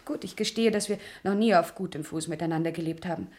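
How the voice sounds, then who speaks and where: A woman's voice: fairly low pitch, fast, darkish tone, lightly acted. An actress playing a poised female witness, polite, precise and coolly accusing, in a German radio crime drama. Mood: pointedly accusing.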